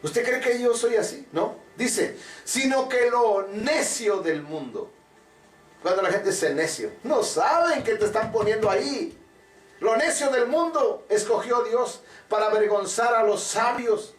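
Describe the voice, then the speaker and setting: A man's voice: sits high, animated, a little slow. A man preaching a sermon with fervent, repetitive emphasis, calling on the congregation to repeat after him. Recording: echoey room, distant mic, faint music.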